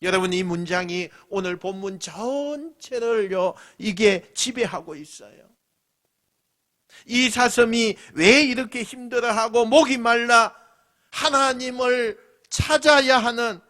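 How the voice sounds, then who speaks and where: A man with a Busan accent preaching a sermon as pastor, dramatic, swinging from loud lines to whispers and acting out mocking voices. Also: very high-pitched, takes it slowly. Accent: Busan Gyeongsang dialect. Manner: acts out mocking voices of scoffers.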